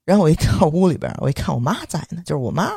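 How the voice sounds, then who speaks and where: A young man with a Beijing accent, telling an indignant story on a podcast in lively casual chat and acting out the voices of the people involved. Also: on the high side, rapid-fire, vocal fry, slightly rough, dry recording, clean studio sound. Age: young adult. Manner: animated, indignant, acts out quoted voices. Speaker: podcast co-host.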